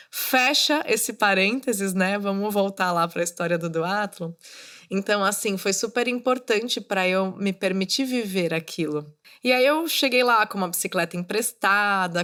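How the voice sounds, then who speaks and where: A woman's voice: mid-range voice, fairly bright tone. A woman in her thirties hosting a solo podcast, talking casually and coaching her listeners directly. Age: 30s. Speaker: podcast host. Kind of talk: solo podcast monologue, motivational.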